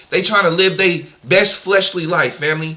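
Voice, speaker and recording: A man speaks very fast in a raised, projected voice with high pitch and an animated tone. Noticeable background noise runs underneath. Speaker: online religious teacher. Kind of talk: religious teaching monologue. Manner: loud.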